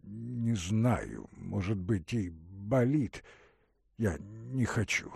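Give me a feverish young man, weak and breathless, speaking low and faint in halting bursts, as a man voices him. He talks slowly, and the sound is dry and close. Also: very animated, vocal fry, darkish tone, slightly rough, no echo, exaggerated voice.

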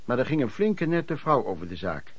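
A man's voice: mid-range voice, very animated, normal speed, breathy edge, no echo. An actor playing a former traveling merchant recounting his lodging-house years in colloquial radio drama narration. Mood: reminiscing.

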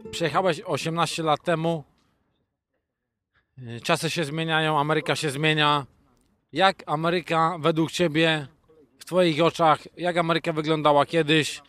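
A man with a fairly high voice hosts a podcast interview. He asks slow, probing questions. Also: level tone, a bit bright, faint music behind.

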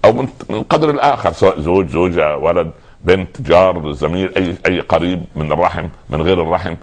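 A man's voice: sits low, fast. A man preaching a sermon, pressing listeners with rhetorical questions that build in emphasis. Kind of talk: religious sermon.

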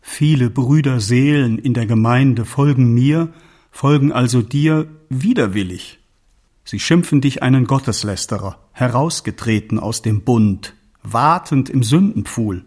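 An actor playing an embattled, zealous early Christian follower, declaiming solemnly in archaic language for a radio drama. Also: male voice, medium pitch, measured pace, darkish tone, natural voice. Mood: accusing, grave.

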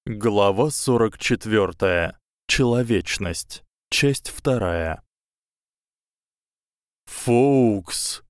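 A man narrating a fantasy novel as an audiobook in slow, measured storytelling. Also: low-pitched, fairly even intonation, clear, resonant tone, dry recording, studio quality. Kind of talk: scripted narration.

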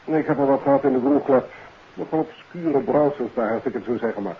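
An actor playing an easygoing, dutiful police inspector reporting to colleagues in a 1950s radio drama. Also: male voice, mid-range voice, fairly quick, close to an everyday voice. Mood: businesslike. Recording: muffled 1950s radio recording, faint noise.

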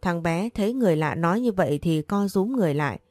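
A woman reading a story aloud in a steady, scripted narration. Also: on the low side, fast, dry recording, studio quality. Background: faint music.

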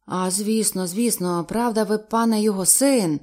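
A woman voicing a stout old sea captain who speaks slowly, bluntly and jovially. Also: medium pitch, a little mellow, close to an everyday voice. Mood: hearty.

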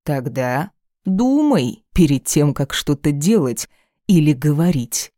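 A reader voicing a domineering, cruel male caliph who speaks slowly and menacingly in an audiobook. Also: fairly high pitch, big pitch swings, mellow, no echo, studio quality. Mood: mocking. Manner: menacing, slow and commanding. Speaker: desert ruler holding the heroine captive.

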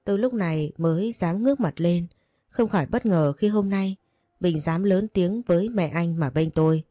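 A woman narrates a dramatic first-person story at an unhurried, steady pace. Her voice sits a little low and sounds dark and mellow. The recording is dry and close, with no room sound. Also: no echo.

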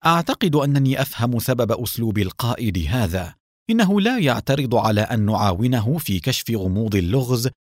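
A young male teammate in a storybook, as a man reads him. He reasons aloud, then shouts high and loud. The sound is dry and close, with lively pitch. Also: brisk, dry recording. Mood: thoughtful. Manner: high and loud when frightened. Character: young male team member, thoughtful, then alarmed.

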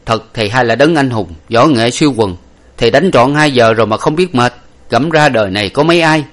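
A man's voice: medium pitch, animated, fairly quick, fairly bright tone, voice pushed up, close to an everyday voice. A man voicing a devoted young husband who cries and laments over his wounded wife. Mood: earnest. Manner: wailing, lamenting. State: crying. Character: devoted young husband, grief-stricken fighter.

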